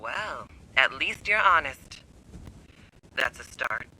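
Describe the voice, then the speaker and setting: A man's voice: mid-range voice, sing-song, slow pace, sharp tone, full character voice, rough recording. An actor playing a defiant, suspicious man in hiding in a video game, taunting and sardonic. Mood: cagey, taunting.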